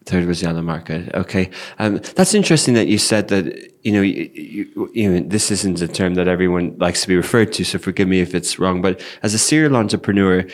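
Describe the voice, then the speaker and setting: A man with a deep, low voice interviews a guest in a conversational way. He often repeats the other person's phrases back, then builds his question from there. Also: fairly quick, hardly any pauses. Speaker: interviewer, host.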